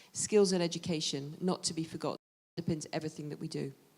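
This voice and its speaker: A woman speaks at a very fast pace with a British accent. Her intonation stays fairly even. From Britain. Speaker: business association executive. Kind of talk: panel discussion.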